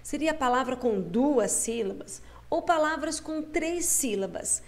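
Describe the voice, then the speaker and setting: A woman teacher, guiding young pupils through a schoolbook lesson, patient and coaxing, slowing down to sound out syllables. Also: high voice, lively intonation.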